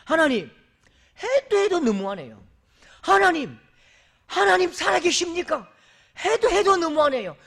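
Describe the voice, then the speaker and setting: A man's voice: very high-pitched, big pitch swings, unhurried, vocal fry, long pauses, fairly bright tone, voice pushed up, full character voice. A male preacher voicing a petulant rose that shrilly complains to God, in a sermon story.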